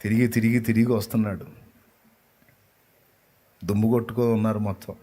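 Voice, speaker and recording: A man's voice: lowish voice, level tone, a little fast, warm tone. A man preaching a sermon, retelling a story with passion, asking the listeners rhetorical questions and repeating key phrases for emphasis.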